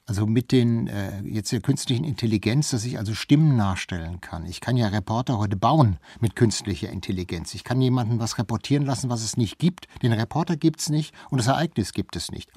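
A man's voice: medium pitch, a little mellow, breathy edge, no room sound, clean studio sound. A man speaking as an expert interview guest, explaining things in detail with examples.

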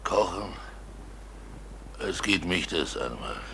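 An actor playing a troubled, grumbling widowed innkeeper in a German radio drama, speaking in a halting, weary way. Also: male voice, low-pitched, expressive, creaky, pushed and bright, a little hiss or hum, heavily acted. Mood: irritated, listless.

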